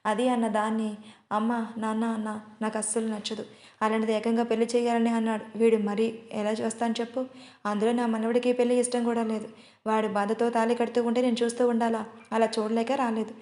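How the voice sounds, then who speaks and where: A woman's voice: a little high, flat delivery, fairly quick, darkish tone, natural voice. A woman reading out a stern, outspoken grandmother in an audio story, speaking bluntly and scolding. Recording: roomy echo.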